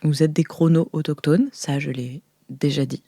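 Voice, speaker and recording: A woman's voice: sits low, fairly even intonation, moderate pace, mellow, breathy edge, no room sound. A woman improvising a flustered, hesitant museum agent who explains things defensively in an audio roleplay. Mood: sheepish, explaining. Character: flustered young woman, junior integration agent in a futuristic museum.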